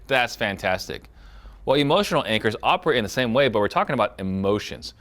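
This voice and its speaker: Man, slightly low voice, sales trainer, brisk explanatory delivery, course lecture. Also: a bit bright. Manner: brisk and explanatory, acts out sample phone dialogues.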